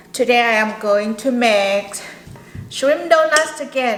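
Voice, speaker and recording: With a Thai accent, a woman talks at a high pitch with lively intonation. Noticeable background noise runs behind her. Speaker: cooking vlogger. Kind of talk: casual cooking vlog. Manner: halting.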